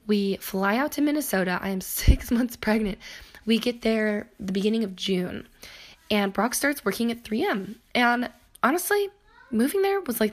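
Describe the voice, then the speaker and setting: A woman in her thirties hosting a solo podcast, telling her own story in a chatty way with a hoarse voice that keeps cracking, laughing often and wandering onto tangents. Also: a little high. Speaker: podcast host.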